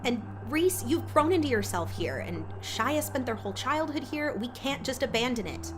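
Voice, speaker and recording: An actress playing a stubborn, defiant young woman with an insistent, sharp-tongued manner in an audio drama. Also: high voice, lively intonation, normal speed, over music. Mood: defiant, hurt. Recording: clear background noise.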